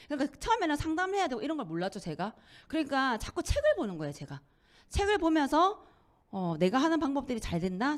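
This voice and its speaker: A middle-aged woman giving a motivational lecture on network marketing, acting out little dialogues and laughing often. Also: fairly high pitch. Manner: animated, acts out quoted dialogue, laughs often.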